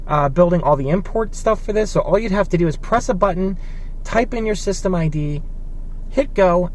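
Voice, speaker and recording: A man's voice: high-pitched, slight background noise. A man talking casually and enthusiastically to viewers as he demonstrates and updates a tech project. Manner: enthusiastic, conversational. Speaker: tech video creator.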